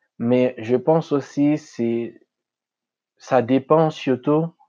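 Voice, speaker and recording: At a very slow pace, a man speaks in a dark, mellow tone with fairly even intonation. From Haiti. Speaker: entrepreneur podcaster. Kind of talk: solo podcast monologue. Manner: hesitant, many fillers.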